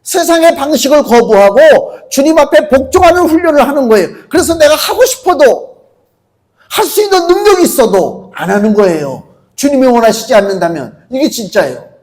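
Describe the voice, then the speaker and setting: A middle-aged man preaching a sermon as pastor, emphatic and animated, acting out quoted voices as he speaks. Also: very high-pitched, fairly quick. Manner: emphatic preaching, acts out quotes of demons and Jesus.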